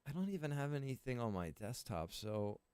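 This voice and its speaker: A man's voice: mid-range voice, big pitch swings, a little fast, darkish tone, clean tone, dry recording. A man chatting casually on a game livestream, explaining things in a rambling, informal way as he addresses his viewers. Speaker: game livestreamer and roleplay server organizer.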